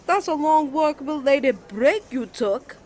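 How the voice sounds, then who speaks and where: A man's voice: very high-pitched, animated, slow, a little mellow, a little hiss or hum, full character voice. A man playing a jealous, flustered young student, a protective twin brother with a dramatic manner, in an ASMR romance roleplay. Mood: indignant. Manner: indignant, dramatic, stammering when flustered.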